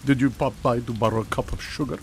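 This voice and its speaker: An actor playing a genial, unflappable older scientist in a comic radio drama, with breezy, politely teasing manners. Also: male voice, medium pitch, fairly even intonation, fast talker, a little hiss or hum, natural voice. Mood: amused, breezy.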